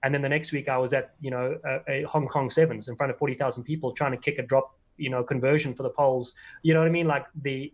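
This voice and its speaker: A South African man telling rambling anecdotes as a guest in a casual interview, full of fillers and restarts, over a video call. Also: mid-range voice. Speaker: guest, former player and commentator.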